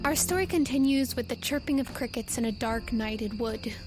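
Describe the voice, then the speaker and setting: A woman hosting a tabletop game podcast as game master, expressive and enthusiastic in her delivery. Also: a little high, moderate pace. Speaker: game master and show host. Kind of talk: announcements and storytelling narration for a tabletop game podcast. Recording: music behind the voice.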